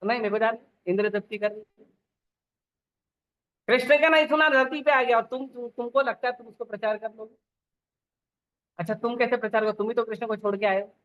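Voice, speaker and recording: Another Gita lecture comes from a preacher whose very high voice moves quickly with fairly even intonation, sounding a bit bright while the highs are cut off. He lists examples repetitively and asks the audience rhetorical questions.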